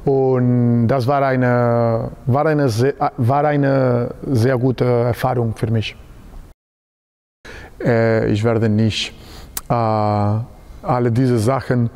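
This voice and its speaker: A man in his thirties from Spain, a basketball coach answering interview questions in halting German with a Spanish accent and many fillers, recorded in a large sports hall. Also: mid-range voice, fairly even intonation, darkish tone, clean tone. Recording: long hall reverb.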